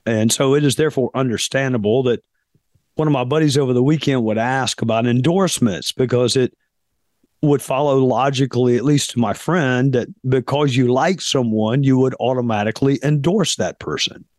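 Hoarse guy doing his podcast, slow and thoughtful, lots of uhs, medium pitch, dry sound. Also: darkish tone, no room sound. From South Carolina, US. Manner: deliberate, pausing often with fillers. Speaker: podcast host. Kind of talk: reflective podcast monologue.

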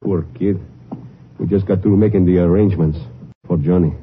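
A man's voice: sits low, steady tone, moderate pace, natural voice. A man acting as a weary, grieving boxing manager in 1950s radio style, subdued and plain-spoken. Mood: subdued, regretful. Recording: muffled, faintly noisy 1950s radio recording.

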